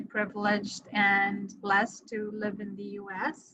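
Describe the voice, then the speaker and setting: A woman talks very slowly with a Romanian accent. Her pitch sits fairly high. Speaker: mortgage lender. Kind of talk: interview.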